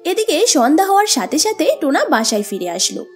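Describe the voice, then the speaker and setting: High-voiced woman narrating a children's story. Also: sing-song, brisk, faint music behind.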